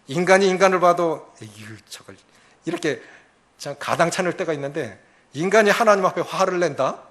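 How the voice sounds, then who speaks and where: A male pastor preaches in a church, his voice sitting a little high for a man. He is animated, acting out angry prayers and calling on the congregation to repeat after him. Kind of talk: sermon. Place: church sanctuary.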